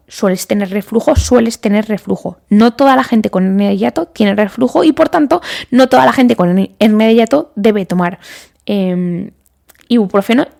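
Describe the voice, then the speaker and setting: Her voice fairly high, creaky, and warm, a woman doctor talks through treatments on her laid-back medical podcast. She speaks conversationally, runs through lists, and sometimes voices questions from her listeners.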